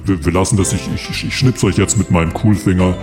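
A man's voice: sits low, fairly even intonation, lightly acted. A man playing a self-important God in a comedy podcast sketch, solemn but easily flustered and offended, with music behind him. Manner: grandly drawn-out when solemn, stammering when challenged.

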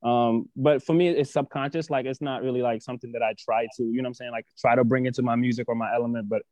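Halting man from Senegal, guest. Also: medium pitch, steady tone, a little mellow, dry recording, dull audio. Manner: halting, repeats words, many fillers. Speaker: guest artist. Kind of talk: casual interview chat.

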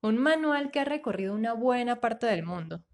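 A woman's voice: on the high side, animated, moderate pace. Colombian woman on a podcast, thoughtful, kinda philosophical, reads her own essay. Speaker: podcast co-host. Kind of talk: casual podcast chat, partly reading her essay.

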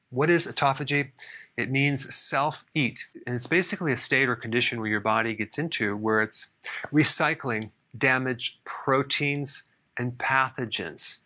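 Bright-voiced man explaining health topics. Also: mid-range voice. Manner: casual, explanatory, dry sarcastic asides. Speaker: health podcast host. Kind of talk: solo explainer talk.

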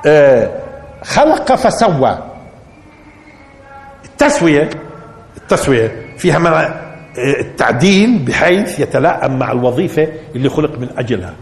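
Male preacher, high lively voice, teaching lesson, reverberant hall sound. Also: slight background noise. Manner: rising to emphatic peaks, asking the audience questions. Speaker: Islamic scholar teaching Quran interpretation. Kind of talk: Quran commentary lesson. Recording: echoey hall recording.

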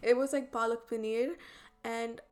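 A woman's voice: a little high, fairly even intonation, normal speed, darkish tone, clear, resonant tone. A young woman from India with a light Indian accent, chatting casually about her own experiences and filling her talk with "like" and restarts. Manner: chatty, filler-heavy, many "like"s and restarts. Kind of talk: casual personal chat.

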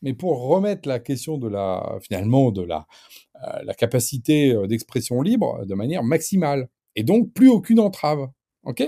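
Animated man with a dark, dry voice. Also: medium pitch, moderate pace, dry recording. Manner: animated, emphatic, many fillers and restarts. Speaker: guest commentator. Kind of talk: casual radio discussion.

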